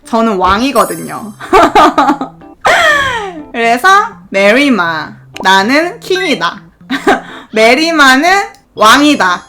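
A young woman chatting on a livestream in a cute anime streamer manner, playful, giggly and animated. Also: high-pitched. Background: music.

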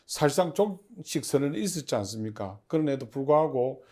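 A man giving formal, somewhat halting interview answers as the head of a public agency, as if partly reading prepared notes. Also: mid-range voice, expressive, a little mellow.

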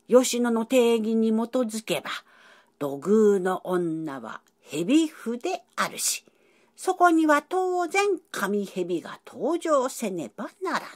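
A woman's voice: on the high side, a little mellow, exaggerated voice. Woman playing an old lecturing professor. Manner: old-man speech, lecturing at length. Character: elderly male professor, lecturing and self-assured. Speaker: professor explaining ancient symbols. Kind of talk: educational dialogue.

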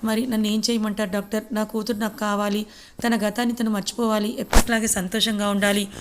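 Woman voicing an anguished middle-aged father, pleading, even flat tone. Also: medium pitch, fast talker, background noise, close to an everyday voice. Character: distraught middle-aged father, wracked with guilt.

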